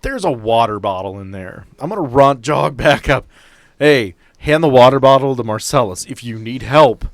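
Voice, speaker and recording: A man's voice: medium pitch, lively intonation, normal speed, no echo, studio quality. A man playing a tabletop game, bantering casually and swearing freely. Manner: sweary, joking. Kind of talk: casual banter among players. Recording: faint music behind. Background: faint background music.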